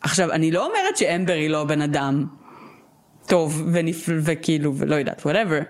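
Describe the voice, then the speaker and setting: A young woman co-hosting a podcast in casual chat, talking fast and freely with lots of fillers. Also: deep voice, animated. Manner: talkative, quick, with many "like" fillers. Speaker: podcast co-host.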